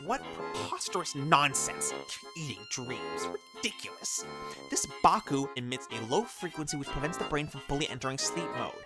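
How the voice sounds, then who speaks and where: A woman's voice: rumbling low, big pitch swings, normal speed. An actress playing a stubborn, sceptical woman scientist in an audio drama, pompous and dismissive in manner. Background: music.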